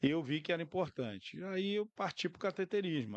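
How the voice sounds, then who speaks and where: An ordinary speaking voice moves at a fairly quick pace with lively intonation, in a dry, close sound with no echo and a quiet background. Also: man. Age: 60s. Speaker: cardiologist. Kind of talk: casual interview. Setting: live-streamed podcast studio.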